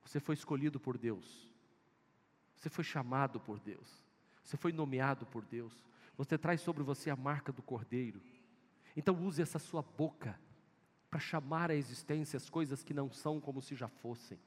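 In an echoey church hall, a man with a Northeastern Brazilian accent delivers a forceful sermon, exhorting his congregation again and again. He speaks at a normal speed in a mid-range voice.

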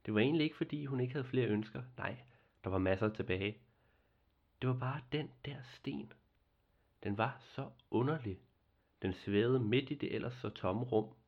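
A man narrating a fairy tale in a calm, measured reading voice as host of a story series. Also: mid-range voice, gravelly, highs cut off.

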